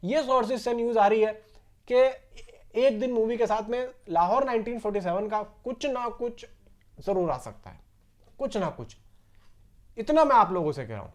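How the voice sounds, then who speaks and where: A man's voice: high-pitched, animated, normal speed. A man giving casual film news commentary to his viewers, conversational and repetitive, addressing them directly. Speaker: YouTube film news host.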